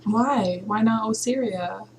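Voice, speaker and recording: A woman's voice: fairly high pitch, takes it slowly, darkish tone, a little hiss or hum. A woman co-hosting a game playthrough, chatting casually and reading the game's text aloud into a headset.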